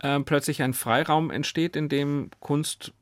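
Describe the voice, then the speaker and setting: A man's voice: on the high side, steady tone, measured pace, no echo. A man hosting a radio discussion, speaking in a reflective, searching manner. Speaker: radio host and interviewer. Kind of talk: moderated radio discussion, scripted introductions and spontaneous talk.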